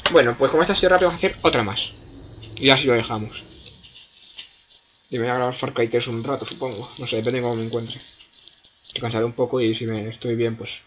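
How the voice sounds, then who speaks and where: Bright-voiced young gamer. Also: male voice, mid-range voice, steady tone, brisk, long pauses, slight background noise. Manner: chatty, joking, mutters to himself. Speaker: gaming youtuber. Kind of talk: casual gameplay commentary.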